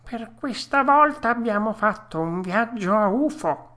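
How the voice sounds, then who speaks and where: A woman's voice: a little high, lively intonation, a little slow, fairly bright tone, pitched above the performer's own voice. A woman voicing a big black rabbit in a storybook, grave and ominous, speaking in solemn pronouncements. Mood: resigned, grumbling. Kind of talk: storybook character voice.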